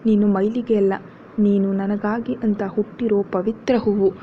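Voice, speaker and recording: A woman's voice: mid-range voice, level tone, moderate pace, natural voice. A woman voicing a protective, devoted young husband who speaks firmly, on a dull lo-fi recording with faint hiss. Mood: tender. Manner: firm and scolding, then soft and tender.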